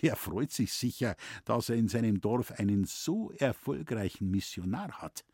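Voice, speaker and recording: A good-humoured forest administrator speaks in a calm, reassuring tone, as a man reads him. His voice sits lower and quieter, with a gravelly edge. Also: moderate pace, no echo, studio quality. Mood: amused reassuring.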